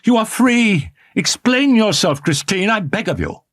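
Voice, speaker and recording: A man's voice: high-pitched, lively intonation, unhurried, fairly bright tone, no echo, pitched above the performer's own voice, full character voice. A man voicing a jealous, wounded young lover who lashes out with bitter, anguished words. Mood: pleading. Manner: anguished, sarcastic outbursts.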